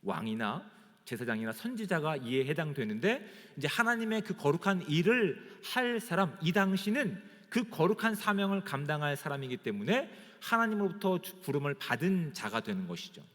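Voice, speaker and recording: A man's voice: a little high, sing-song, moderate pace, a bit bright. Emphatic preaching man in a reverberant hall. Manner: emphatic preaching with rhetorical questions. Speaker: pastor. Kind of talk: sermon. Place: church sanctuary.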